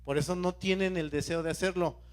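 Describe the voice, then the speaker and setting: Lay preacher, man, high voice, questions the congregation throughout a sermon. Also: steady tone, fairly quick. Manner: questions the congregation and urges them to stay alert; keeps calling out to his listeners.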